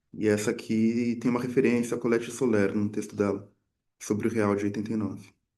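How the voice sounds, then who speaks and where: A man's medium-pitched voice, dark and mellow in tone, flat and monotone, with audible room echo. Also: fairly quick pace. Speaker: psychoanalyst. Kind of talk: lecture. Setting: hybrid event at association venue.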